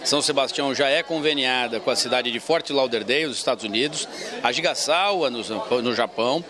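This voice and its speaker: A man's voice: medium pitch, a little fast, a crowd in the background. A man giving an interview statement outdoors at a public event, speaking formally and listing details.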